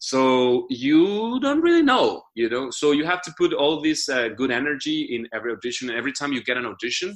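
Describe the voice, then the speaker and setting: Fairly quick and lively in intonation, a man with a strong Latin American accent speaks at a medium pitch. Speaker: voice actor and coach. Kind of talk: interview. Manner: halting, many repetitions and fillers.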